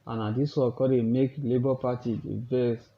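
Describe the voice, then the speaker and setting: A man's voice: medium pitch, little pitch movement, normal speed, highs cut off. A man with a Nigerian accent gives informal news commentary in Nigerian Pidgin.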